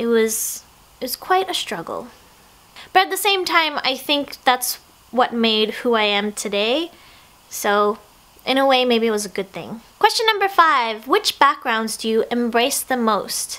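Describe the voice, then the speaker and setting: A woman's high, bright, sharp voice in an American accent, with very wide pitch swings. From US (Virginia) and Japan. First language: Portuguese. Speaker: beauty vlogger. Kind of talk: casual vlog talk.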